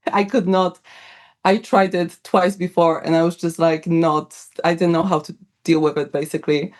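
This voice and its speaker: A woman's voice: lowish voice, flat delivery, normal speed, darkish tone. Chatty young woman. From Poland. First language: Polish. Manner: chatty, upbeat, with frequent laughs and fillers. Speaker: guest, writer and academic. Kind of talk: casual interview chat.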